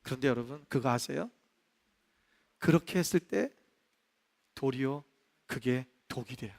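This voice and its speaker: A male pastor preaching a sermon in a church, animated, acting out the voices he quotes. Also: mid-range voice, unhurried, gravelly. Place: church sanctuary. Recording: long reverb of a church hall.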